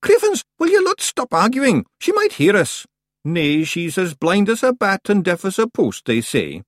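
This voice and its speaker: A man voicing a tiny, rowdy blue Scottish warrior with broad excitable dialect, in an audiobook story. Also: high voice, normal speed, no echo, clean studio sound, voice pushed up, exaggerated voice. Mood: bickering.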